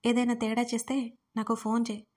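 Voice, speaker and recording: A kind, fatherly older man who speaks in a gentle, reassuring way. A woman storyteller reads his lines without much change from her own voice. The voice sits a little high and stays fairly level. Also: completely flat delivery, fairly quick, natural voice. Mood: soothing.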